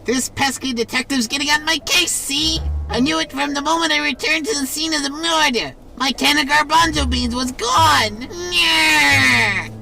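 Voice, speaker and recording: A woman's voice: high-pitched, normal speed, gravelly, hardly any pauses, pushed and bright, exaggerated voice, rough recording. A young woman playing a hammy, scheming male mob boss in an amateur radio play, with old-time gangster slang. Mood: menacing, scheming. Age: teens or young adult. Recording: amateur recording with music underneath.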